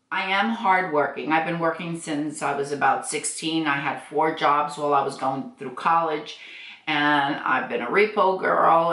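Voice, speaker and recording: A woman's voice: deep voice, fairly bright tone. A woman in her sixties chatting on her beauty vlog as she answers viewer comments, laughing often and speaking frankly. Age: 60s. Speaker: beauty vlogger. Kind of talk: casual chat reading viewer comments. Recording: echoey room.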